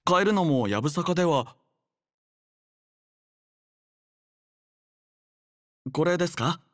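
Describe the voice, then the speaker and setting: Anime game role: young male android soldier, played by a man, slightly higher register, polite, formal, earnest and composed; dry studio sound. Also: no room sound, lightly acted. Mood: polite, soft. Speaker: game character voice. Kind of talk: scripted anime game voice lines.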